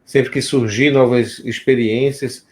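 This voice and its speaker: Relaxed Recife-accented male interviewer. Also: mid-range voice, a little slow. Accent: Recife Pernambucan Portuguese. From Pernambuco, Brazil. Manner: calm, gives short affirming backchannels. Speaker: podcast interviewer. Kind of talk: casual interview chat.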